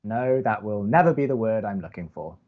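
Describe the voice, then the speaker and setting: The recording is a little dull and lo-fi. A man acts a prickly male college radio host in an audio romantic comedy, sounding dry and put-upon. He turns halting and awkward whenever he gets flustered. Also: lowish voice, animated, natural voice. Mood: dry, reluctant.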